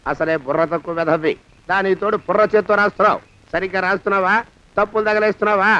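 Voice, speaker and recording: A scheming, bossy master of the house who fires off insults. He talks fast and his voice sits high. The sound is dull and lo-fi, like an old film print. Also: steady tone, sharp tone. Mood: scolding. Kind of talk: comic film acting.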